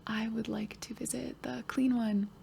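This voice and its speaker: A whispered role-play of a young girl pupil, voiced by a woman in a lesson. She answers each question in a soft, breathy whisper, calm and eager. The voice sits slightly high. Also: moderate pace, slight background noise.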